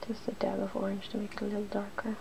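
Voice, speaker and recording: Softly whispering woman with a creaky edge. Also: medium pitch, completely flat delivery, quick pace, noisy background. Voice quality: soft, breathy whispering and hushed talk. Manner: playful, giggly. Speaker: ASMR video host. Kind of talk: ASMR makeup demonstration, narrating each step.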